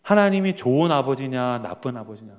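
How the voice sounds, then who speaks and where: Hushed, low voice of God, as a pastor puts it on. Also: male voice, expressive, a little fast, big-room sound, close to an everyday voice. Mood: tender, searching. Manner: low, hushed and tender questioning. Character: God as a gentle, quiet father speaking inwardly.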